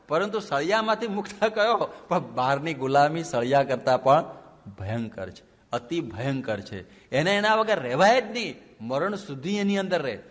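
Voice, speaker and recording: A man, a monk, giving a lively sermon full of rhetorical questions and mixing in English phrases. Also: on the high side. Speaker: monk preacher. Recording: long hall reverb.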